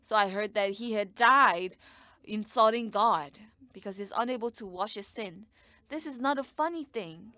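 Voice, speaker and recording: A woman's voice: medium pitch, moderate pace, sharp tone. A woman giving live interpretation of a sermon, speaking in short bursts with frequent restarts.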